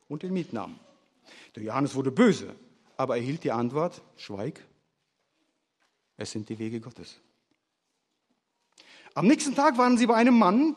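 A man preaching a sermon, telling stories in an animated way and asking rhetorical questions. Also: fairly high pitch, husky.

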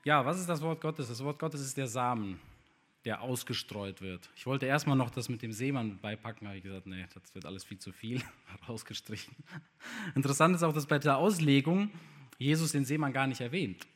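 A man preaching to a congregation in an easygoing, conversational sermon. He often puts questions to his listeners and fills his pauses with little hesitations. His loudness rises and falls in lively swings as he talks. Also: medium pitch. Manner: conversational, asks the congregation questions, many fillers. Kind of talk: sermon with scripture reading.

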